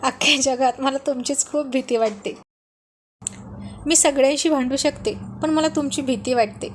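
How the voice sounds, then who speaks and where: A woman's voice: high-pitched, moderate pace, slight background noise, natural voice. Woman voicing a playful teasing young wife. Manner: coaxing, teasing.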